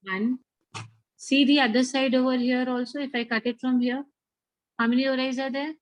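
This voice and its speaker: Speaking at a normal speed with a steady tone and a high-sitting voice, a South Asian-accented woman leads a biology class. She repeats the important points and prompts students with questions as the lecture goes on. The audio is poor.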